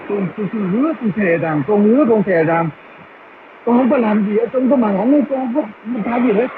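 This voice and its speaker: A man's voice: high-pitched, quick pace. A man giving a storytelling talk as a radio preacher, heard through a shortwave radio. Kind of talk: radio talk with illustrative stories. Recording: tinny, noisy shortwave radio reception.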